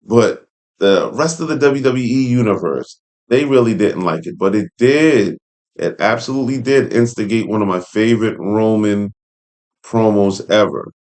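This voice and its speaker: A man reads an article aloud and comments on it casually as host, offering informal opinions and conversational asides. His voice is fairly low and a little mellow, at a normal speed.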